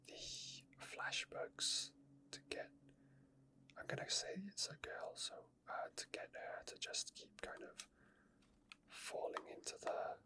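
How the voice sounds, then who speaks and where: A man doing soft, rambling ASMR commentary over his own gameplay, thinking aloud in an unhurried way. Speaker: ASMR gaming video host. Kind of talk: whispered ASMR game commentary.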